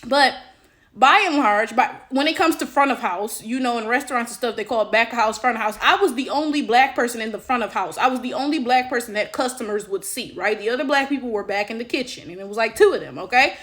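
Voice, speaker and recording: A woman's voice: a little high, fast talker, fairly bright tone. A woman, giving casual, emphatic commentary with sassy slang and rhetorical check-ins. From Detroit, United States. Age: late 20s. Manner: blunt, sassy, slangy, swearing. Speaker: social media commentator. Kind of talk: casual opinionated commentary to camera.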